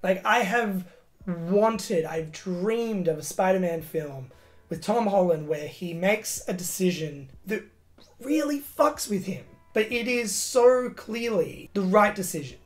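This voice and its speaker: A woman's voice: mid-range voice, lively intonation, takes it slowly, faint music behind. A woman giving a casual, emotional film review, swearing often and filling her talk with "like" and "you know".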